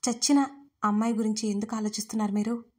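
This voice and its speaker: A woman's voice: mid-range voice, level tone, fast talker, mellow, breathy edge, lightly acted. A woman voicing a tearful, desperate young woman in love, pleading in a crying voice in an audio story.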